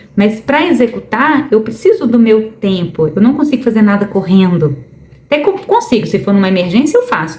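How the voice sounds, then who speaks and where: A woman's fairly high-pitched voice at a moderate pace, with lively intonation and very even loudness, amid noticeable background noise. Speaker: psychologist and hypnotherapist. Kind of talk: casual educational talk to camera.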